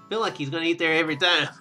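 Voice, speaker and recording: A young let's play host with a fairly high, bright, forceful voice runs a casual game playthrough over game music. He reads the narration aloud and comments, sometimes stumbling over words and rereading them.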